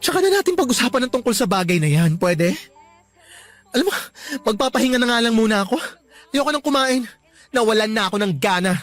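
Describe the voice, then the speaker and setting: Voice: medium pitch, very animated, brisk, soft background music, close to an everyday voice. An actor playing a defensive, evasive, effeminate gay young father with a Filipino accent in a theatrical radio drama. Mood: evasive, dismissive. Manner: theatrical, indignant, dismissive.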